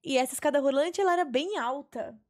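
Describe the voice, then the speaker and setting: A fast-talking young woman with a high, darkish-toned voice streams a life-sim game. She chats casually with viewers, tells stories and swears here and there, using a headset mic on a webcam stream from a small bedroom.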